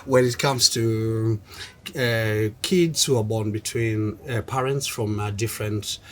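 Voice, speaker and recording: A man's voice: on the low side, slow. Male interviewer, rambling questions, lots of fillers, faint background noise. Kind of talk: casual interview.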